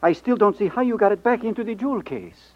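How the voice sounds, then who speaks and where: Tinny, high-voiced flustered male jeweler. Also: animated, quick pace, dry recording. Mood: puzzled. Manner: stammering, flustered. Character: anxious, apologetic, puzzled male jewel merchant. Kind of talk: 1950s radio drama acting. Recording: dull, tinny 1950s radio recording.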